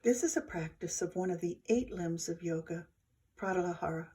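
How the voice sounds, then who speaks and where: In a lowish voice, a woman guides a yoga nidra session, her instructions gentle and calming, delivered in brief phrases with pauses between them.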